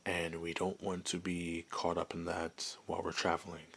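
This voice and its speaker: A man voicing a friendly, gentle werewolf and former adventurer in an intimate ASMR roleplay, chatting in a hesitant, softly amused way. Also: low-pitched, completely flat delivery, moderate pace, gravelly, husky, exaggerated voice. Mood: relaxed, friendly.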